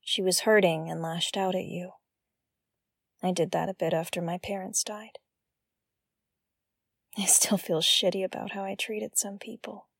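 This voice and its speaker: Young hacker, gravelly, close dry sound, casual, sympathetic, audio drama. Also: female voice, lowish voice, flat delivery, measured pace, long pauses, no room sound. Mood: sympathetic, subdued. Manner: casual, colloquial.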